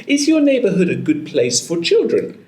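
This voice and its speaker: A woman's voice: lowish voice, wildly swooping pitch, normal speed, dark tone, roomy sound, slight background noise. A woman acting as examiner in a mock speaking test, guiding the candidate and giving brief encouraging praise.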